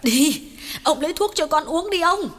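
A man voicing an anxious older mother pleading with her husband in a high falsetto. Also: animated, normal speed, a bit bright. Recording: long hall reverb, faint music.

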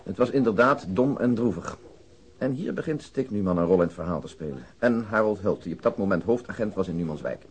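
An actor playing a police detective in a Dutch radio crime drama, explaining a case in a matter-of-fact way with dry asides. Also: male voice, on the low side, lively intonation, brisk, close to an everyday voice. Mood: matter-of-fact, grave. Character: male police detective briefing colleagues on an old case.

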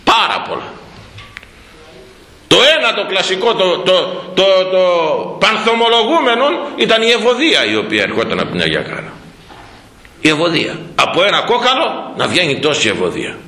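Priest guy preaching, pitch jumps all over, keeps asking questions and repeating himself. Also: long pauses, echoey room, low-quality recording. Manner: animated storytelling, rhetorical questions, repeats words. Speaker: priest, former head of a parish church. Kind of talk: sermon.

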